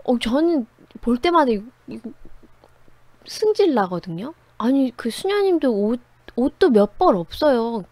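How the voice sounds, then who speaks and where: A woman in her thirties gives a lively lecture, her fairly high voice swinging up and down as she tells stories from her own working life. She talks conversationally and laughs easily. The recording is close and dry, with no room sound. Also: unhurried, no room sound. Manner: animated storyteller, conversational, laughs often. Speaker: writing instructor.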